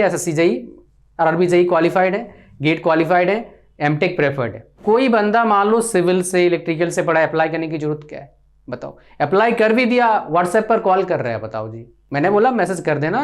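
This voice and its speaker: Earnest Indian man giving career advice. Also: high-pitched. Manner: earnest, lecturing, addresses viewers as brother. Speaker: career counsellor. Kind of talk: direct-to-camera advice talk.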